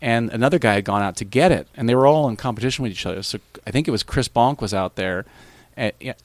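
A man's voice: mid-range voice, fast, no echo. Man telling a rambling car story. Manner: animated, rambling with restarts. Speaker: guest. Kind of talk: casual storytelling.

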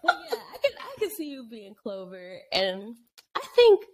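A woman's voice: mid-range voice, wildly swooping pitch, moderate pace, bright, forceful tone. A woman hosting a podcast in a casual chat, agreeing readily and laughing often. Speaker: podcast host.

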